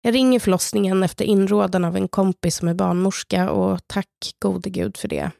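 Swedish woman telling a personal story in a gravelly, mellow voice. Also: mid-range voice, sing-song, no room sound, clean studio sound. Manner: slow, measured, intimate telling in the present tense. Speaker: podcast co-host. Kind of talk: personal storytelling, partly read from a script.

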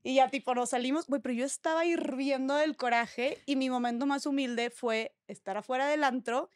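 A woman with a Mexican accent and a high voice tells a story on a podcast in loose, slang-heavy chat. She acts out what everyone said. The sound is close and dry, with no room around her. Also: steady tone, fairly quick, smooth, no echo. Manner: slangy, vivid storyteller who acts out quoted lines. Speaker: podcast co-host.

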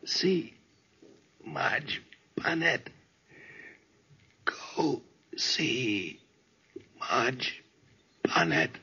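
A mortally wounded shopkeeper from an old radio crime play. He gasps out very slow, broken phrases in a badly husky, sharp voice, struggling for every breath. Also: mid-range voice, big pitch swings, heavily acted. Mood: gasping, desperate. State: gasping, short of breath. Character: dying stabbed male shopkeeper, struggling to speak. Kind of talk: 1940s radio crime drama acting. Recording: dull lo-fi 1940s radio recording.

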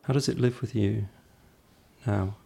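A man chatting casually as an interviewer in a relaxed conversation. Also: fairly low pitch, a little slow, gravelly, slightly rough.

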